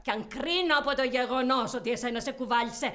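An actress playing a domineering older mother who scolds and mocks with shrill insults. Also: fairly bright tone. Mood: scornful. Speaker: mother-in-law. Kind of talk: television comedy acting.

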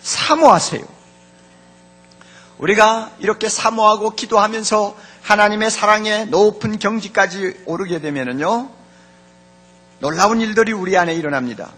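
High, forceful male preacher. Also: moderate pace. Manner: fervent, repeats key words, addresses the congregation directly. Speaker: pastor. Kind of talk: sermon.

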